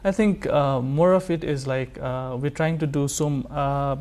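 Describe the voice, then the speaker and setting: A man's voice: mid-range voice, steady tone, measured pace, darkish tone. A man, a musician guest, talking casually and hesitantly with many fillers and restarts. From Nepal. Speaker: musician guest, sarangi player. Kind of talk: casual interview talk.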